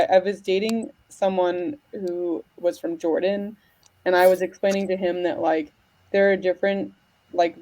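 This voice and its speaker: A woman's voice: fairly low pitch, warm tone. Rambling American woman chatting. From United States. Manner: rambling, heavy on fillers. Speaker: podcast host. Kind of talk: casual chat.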